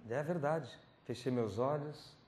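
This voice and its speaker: A male preacher telling a personal testimony at a youth camp, acting out scenes with sudden drops to whispers and loud pleading cries. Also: mid-range voice, measured pace. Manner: dramatic storytelling, swinging from whispers to loud pleading. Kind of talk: testimony sermon. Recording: roomy hall recording with faint noise.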